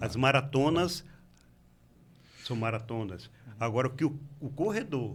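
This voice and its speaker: The speaker talks at a fairly slow pace in a somewhat breathy voice with ordinary pitch variation. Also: man. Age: 70s. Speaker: amateur runner, running group leader. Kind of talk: radio talk show interview.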